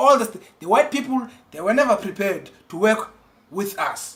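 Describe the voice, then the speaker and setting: The speaker has a South African accent and ordinary pitch variation. The pace is moderate. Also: man. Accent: Xhosa-accented English. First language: Xhosa. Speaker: vlogger. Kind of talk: political rant. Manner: halting; impassioned.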